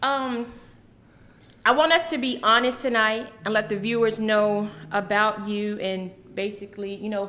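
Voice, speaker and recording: Bright-voiced chatty woman host. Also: mid-range voice. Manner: upbeat and chatty, with quick interjections. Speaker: podcast host. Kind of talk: casual interview hosting.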